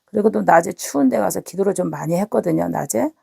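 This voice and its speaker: A middle-aged woman pastor, hoarse from a cold, giving an earnest spoken testimony straight to her listeners. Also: on the low side, lively intonation, fast talker, warm tone, no room sound, studio quality. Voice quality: husky, gravelly. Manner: earnest, repeats words, talks to listeners directly. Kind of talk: spoken testimony to online viewers.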